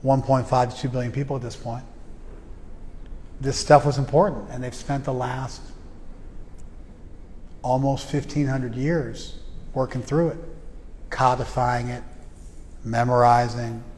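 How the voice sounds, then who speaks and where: A man's voice: mid-range voice, flat delivery, unhurried, long pauses, a little mellow, slight background noise. A man teaching a class in a loose, conversational way, with joking asides and plenty of fillers. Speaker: spiritual teacher. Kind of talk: informal class lecture. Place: class venue with reverb. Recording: long hall reverb.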